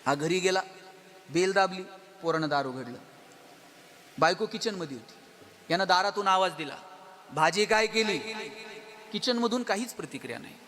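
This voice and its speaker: A man giving an animated motivational stage speech, telling humorous stories and speaking straight to the audience. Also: high-pitched, fairly quick, pauses often. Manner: animated, addresses the audience directly. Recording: long hall reverb with faint music.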